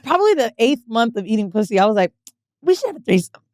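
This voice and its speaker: A woman co-hosting a podcast, playful and chatty, asking the guest questions with quick asides. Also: a little high, very animated, a little mellow, no echo, clean studio sound. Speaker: podcast co-host. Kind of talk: casual podcast banter.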